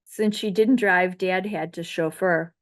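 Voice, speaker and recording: A middle-aged woman from the Chicago area, reading her own memoir essay aloud in a measured, reflective way. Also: on the low side, steady tone. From Chicago area, United States. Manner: measured, reflective delivery of a prepared text. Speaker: author.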